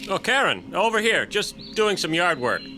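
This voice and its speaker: A man's voice: high voice, sing-song, normal speed, sharp tone, faint music behind, full character voice. An actor playing an evasive, stern father in an audio drama, guarded and curt.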